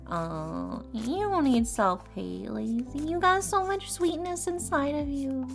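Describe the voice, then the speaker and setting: Young Texan woman streamer, loose and rambly, slight fry, soft music underneath. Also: high-pitched, lively intonation, slow. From Texas. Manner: rambling, filler-heavy, swears casually. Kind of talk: casual stream chat. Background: lofi music.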